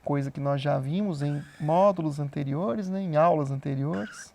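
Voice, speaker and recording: Homem, professor, aula gravada, explicativo, paciente, estúdio com flip chart. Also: male voice, a little high, moderate pace, creaky, mellow. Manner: patient, explanatory, often checks in with "tá?". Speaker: physics teacher. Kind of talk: recorded remote class lesson.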